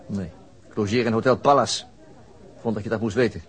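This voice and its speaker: An actor playing a weary, brooding middle-aged police detective in a radio drama, restrained and husky. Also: male voice, lowish voice, steady tone, a little fast, close to an everyday voice. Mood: curt, guarded. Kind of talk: radio drama dialogue and inner narration.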